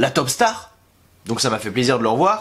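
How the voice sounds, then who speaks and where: A man speaks with lively intonation. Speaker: YouTuber, wrestling reviewer. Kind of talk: casual video review. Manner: fast; animated.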